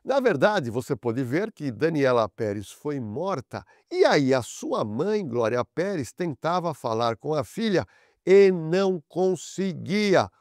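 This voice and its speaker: A man's voice: fairly high pitch, very animated, slow pace, darkish tone, no echo, studio quality. A man hosting a true-crime channel, explaining the case directly to the viewer. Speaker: channel host narrating.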